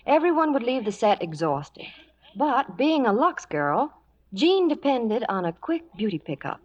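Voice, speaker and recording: A woman's voice: on the high side, big pitch swings, a little slow. A woman Hollywood reporter delivering scripted chat and soap promotion in 1940s radio style. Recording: muffled vintage radio recording.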